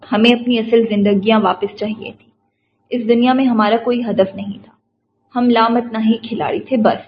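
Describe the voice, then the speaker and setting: A woman's voice: fairly high pitch, highs cut off, a little hiss or hum, lightly acted. A woman voicing a serious, commanding man who speaks firmly and with authority, in a storybook reading. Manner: firm, authoritative.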